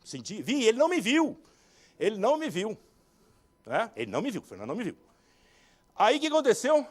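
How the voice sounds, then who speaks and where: A man's voice: sits high, brisk. A middle-aged Brazilian man giving a motivational business talk, telling stories and acting out the dialogue for his audience. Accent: Brazilian Portuguese. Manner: animated, acts out dialogue, addresses audience directly.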